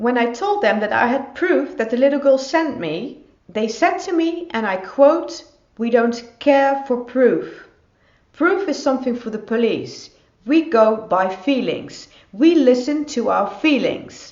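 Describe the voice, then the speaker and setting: At a fairly slow pace, a woman with a high pitch makes very wide pitch swings. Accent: Dutch. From Netherlands. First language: Dutch. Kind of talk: opinion commentary to camera. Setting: home recording, poor sound.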